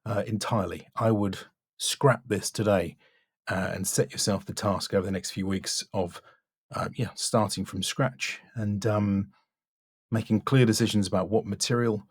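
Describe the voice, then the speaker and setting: A man's voice: fairly low pitch, steady tone, normal speed, breathy edge, dry recording, studio quality. A man giving a spoken critique as a voice-over coach, blunt but encouraging, with emphatic delivery. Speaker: voice-over demo coach and reviewer.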